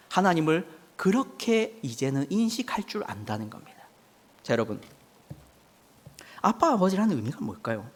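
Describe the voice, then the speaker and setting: A man's voice: high-pitched, long reverb tail. A man preaching a sermon, asking the congregation rhetorical questions and acting out a child crying for his parents.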